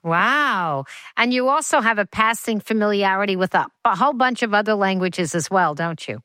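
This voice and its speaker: A woman hosts an interview in a chatty, enthusiastic way. Her voice is smooth and resonant, recorded close and dry. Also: mid-range voice, expressive, moderate pace, bright, forceful tone, no echo. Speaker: radio or podcast host. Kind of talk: interview hosting.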